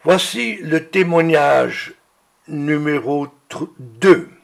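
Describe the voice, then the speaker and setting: A man preaching a sermon, reading out healing testimonies in a slow, deliberate way. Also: on the high side, creaky.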